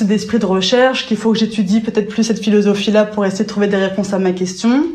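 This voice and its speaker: Over noticeable background noise and audible room echo, a woman talks at a medium pitch with fairly even intonation. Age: 30s. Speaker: Buddhist practitioner sharing her story. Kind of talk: testimony. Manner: hesitant, many fillers.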